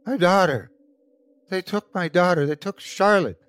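A man's voice: sits high, a little slow, fairly bright tone, dry recording, voice pushed up. A man voicing a sickly, terrified, half-mad bearded man who pleads and chants in a storybook narration. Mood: desperate, pleading. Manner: pleading, crying out, chanting repetitively.

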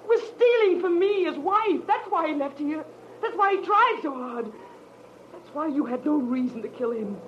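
A vengeful, half-crazed widow in an old radio thriller. Her high voice swoops widely with theatrical scorn and menace. The recording is muffled. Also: animated, moderate pace, slight background noise. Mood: menacing, unhinged. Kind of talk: 1940s radio crime drama acting.

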